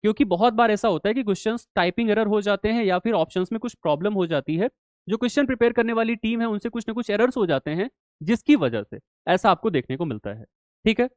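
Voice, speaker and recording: A fast-talking young man with a high, expressive, slightly mellow voice solves quiz questions in a casual live online exam-prep class. He often checks in with students, addresses them as bhai, and keeps repeating "theek hai" and "clear". There's no room sound.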